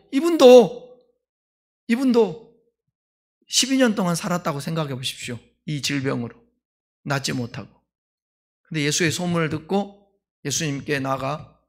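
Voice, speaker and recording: Guy pastor giving a sermon, pretty high voice, gets loud then drops to quiet asides. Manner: conversational preaching, asks the congregation questions; swings between loud emphasis and quiet asides.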